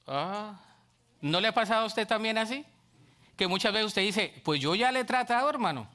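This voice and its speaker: A middle-aged pastor from Colombia delivers a lively sermon at normal speed in a high, bright voice. He speaks animatedly, acting out playful voices of church members, and stays warm and energetic toward the congregation.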